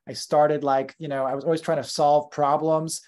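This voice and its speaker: A man's voice: fairly high pitch, level tone, moderate pace, a little mellow. A man in his thirties with a North American accent, telling his story as a guest on a casual podcast, chatty and full of fillers and restarts. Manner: conversational, with fillers and self-corrections. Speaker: podcast guest, company founder.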